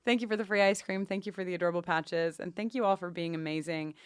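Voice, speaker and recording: A woman's voice: fairly low pitch, fairly even intonation, fast talker, clean tone, no echo, clean studio sound. A woman co-hosting a podcast in casual chat and announcements, effusive and given to playfully repeating phrases. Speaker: podcast co-host.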